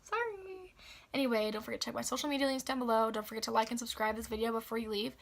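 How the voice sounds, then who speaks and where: A young woman with a raspy, slightly hoarse voice after the flu, chatting casually through a makeup tutorial. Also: fairly high pitch, rapid-fire. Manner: chatty, upbeat, filler-heavy. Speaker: beauty vlogger.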